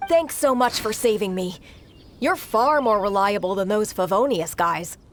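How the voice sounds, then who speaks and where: A woman voicing a young, self-assured black market informant in a video game, brisk in manner. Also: medium pitch, background noise, lightly acted. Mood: cheerful.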